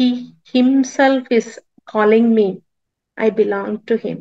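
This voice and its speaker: Against a quiet background, a woman with an Indian accent speaks at a very slow pace, fairly high in pitch, with fairly even intonation. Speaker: spiritual speaker and doctor. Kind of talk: spiritual talk sharing personal experiences. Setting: video call. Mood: calm, warm. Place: home room. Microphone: webcam.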